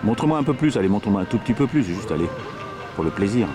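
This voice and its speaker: Lively man interviewing, music behind. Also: fairly low pitch, fast. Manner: enthusiastic, admiring. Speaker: interviewer filming a hobbyist video. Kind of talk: casual spoken interview. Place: outdoors beside a model boating pond.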